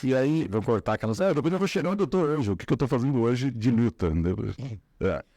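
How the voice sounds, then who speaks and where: A middle-aged man with a Paulistano Brazilian accent talks as an interview guest, winding through his story with fillers and restarts. His voice sits in an ordinary middle pitch and sounds close and dry. The tone is relaxed and conversational. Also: fast, no echo. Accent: Paulistano Brazilian Portuguese. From São Paulo, Brazil. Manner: rambling, many fillers and restarts.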